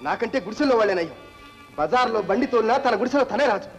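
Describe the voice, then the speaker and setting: An actor playing a proud, angry young husband who speaks defiantly and sermonizes, with a husky voice in old film melodrama style. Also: male voice, high voice, lively intonation, racing, fairly bright tone, faint music behind, poor audio.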